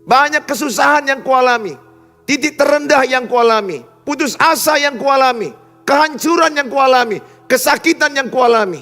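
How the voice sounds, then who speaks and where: A man, preaching a sermon in a large church hall. He builds cadenced lists with loud emphasis, then drops into soft, intimate asides. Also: very high voice, moderate pace. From Indonesia. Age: 50s. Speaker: pastor. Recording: long hall reverb with faint music.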